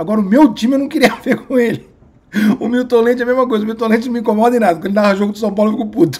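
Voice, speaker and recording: A man with an extremely high pitch talks at a very fast pace, his intonation fairly even. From Brazil. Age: 40s. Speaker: sports journalist. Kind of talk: video commentary monologue. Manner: casual, conversational. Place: home room. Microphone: phone near.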